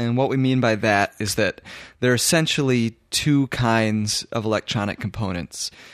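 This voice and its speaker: Here a man uses an unremarkable speaking voice with lively intonation at a moderate pace. The background is quiet, and the sound is dry and close with no echo. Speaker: podcast host. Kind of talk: interview.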